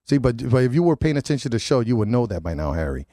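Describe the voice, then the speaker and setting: A man's voice: medium pitch, sing-song, racing, mellow, dry recording. A radio host with a head cold, sounding nasal, chatting loosely and joking with his studio guests. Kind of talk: casual community radio chat.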